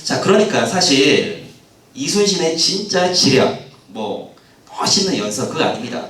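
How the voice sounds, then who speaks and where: A man giving a lively history lecture, who asks the audience questions and acts out the lines of the people in his story. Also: fairly high pitch, measured pace, crowd noise. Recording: roomy hall sound, mic at a distance.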